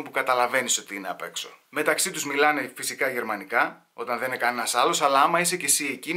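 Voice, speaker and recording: Male comedian, home storytelling set, bright-toned, chatty and slangy. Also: mid-range voice. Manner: animated, slangy, switching into mock voices.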